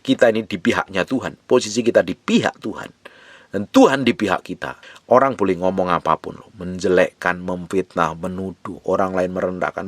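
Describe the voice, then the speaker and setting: Emphatic low-voiced man preaching. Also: no echo. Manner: emphatic, repetitive exhortation with sudden rises. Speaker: pastor. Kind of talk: sermon.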